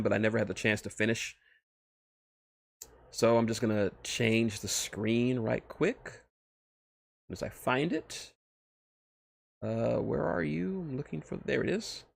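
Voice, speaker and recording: A male streamer talks casually in a dry, close-miked space. His delivery is rambling and enthusiastic, with profanity mixed in, and his pitch sits in an ordinary middle range for a man. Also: vocal fry, dry recording. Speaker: streamer, host. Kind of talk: casual livestream chat about fan fiction.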